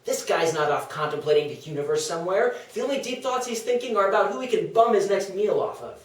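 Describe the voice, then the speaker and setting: A man's voice: high voice, animated, fast. A man playing a brash, scornful Athenian skeptic in a comedic table read, speaking with theatrical sarcasm. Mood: mocking, brash. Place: small indoor meeting room. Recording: roomy, distant meeting-room pickup.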